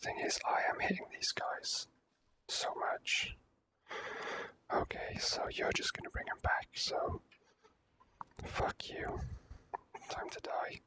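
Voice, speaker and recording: A person whispering softly in an ASMR style while commentating on a video game, speaking in halting phrases with pauses. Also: rough recording. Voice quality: soft unvoiced whisper. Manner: slow, halting delivery with pauses. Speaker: let's play host.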